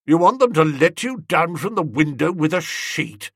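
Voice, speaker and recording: A commanding older aunt with a big, booming voice and a high, swooping pitch, as a male reader puts her on. she fires off orders loudly and fast. the recording is close and dry. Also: very animated, slightly rough, no echo, full character voice. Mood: blunt. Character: loud, imperious older aunt, hearty and bossy.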